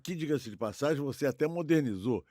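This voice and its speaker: A man's voice: mid-range voice, animated, fairly quick, mellow, no echo, clean studio sound. A Brazilian man co-hosting a podcast, casually discussing radio history in a discursive, repetitive way, often seeking agreement. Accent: Brazilian Portuguese. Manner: discursive, repeats himself, seeks agreement with tag questions. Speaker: podcast co-host.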